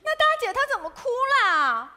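A feisty youngest sister, her voice bright and sharp, high, and full of swoops. She trades cutesy bravado and quick retorts on a reverberant stage while an audience laughs. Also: huge pitch swings, exaggerated voice. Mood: indignant. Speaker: youngest daughter. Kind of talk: sitcom acting before a live audience.

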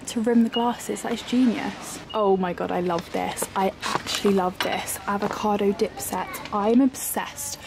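A woman's voice: medium pitch, fairly even intonation, moderate pace, gravelly, hardly any pauses, noisy background. Chatty British woman shopping. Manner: chatty, gushing, sprinkled with "like". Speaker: vlogger. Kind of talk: shop-with-me vlog. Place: large clothing and homeware shop, indoors. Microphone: handheld camera.

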